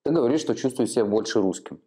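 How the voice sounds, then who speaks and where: A man's voice: mid-range voice, lively intonation, fast, dark tone, slightly rough. A man in his thirties, a native Ukrainian speaker, interviewing and probing with long explanations, in a small office on a lapel mic. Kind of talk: interview questioning. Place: small office room, indoors. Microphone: clip-on lapel mic.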